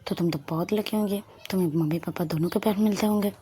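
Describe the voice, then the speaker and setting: A woman storyteller voicing an irritable young woman who mutters and scolds quickly. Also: mid-range voice, warm tone, slight background noise, close to an everyday voice. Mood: calm.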